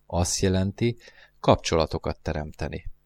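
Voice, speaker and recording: A man's voice: sits low, vocal fry, darkish tone. A man voicing a wistful lonely fox. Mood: earnest. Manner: earnest, pleading, musing. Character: lonely wistful male fox, gentle and wise.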